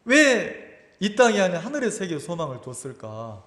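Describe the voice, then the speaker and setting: A man's voice: high voice, huge pitch swings, normal speed, a bit bright, reverberant, big-room sound. A middle-aged male pastor giving a sermon, telling a personal story with emotion and acting out the voices of his mother and himself. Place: church sanctuary.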